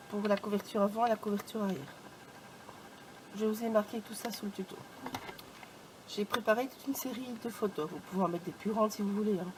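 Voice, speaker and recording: A woman's voice: mid-range voice, noisy background. A woman giving a casual craft tutorial for her channel, chatty and informal, stringing her steps together with "donc" and "voilà". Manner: chatty, peppered with "donc" and "hop". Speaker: craft YouTuber.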